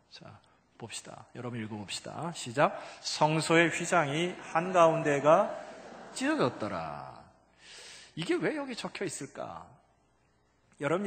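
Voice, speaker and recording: Booming Korean pastor in echoing church. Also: male voice, vocal fry. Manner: emphatic, swinging from loud exclamations to hushed low asides; calls out to the congregation for responses. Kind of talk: sermon. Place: church sanctuary. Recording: long reverb of a large church hall.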